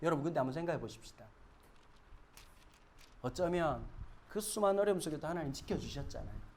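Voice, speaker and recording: A male pastor preaching a sermon, talking to the congregation in a conversational way, asking them questions and swinging from quiet asides to loud shouted scenes. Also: on the high side, lively intonation, fast talker.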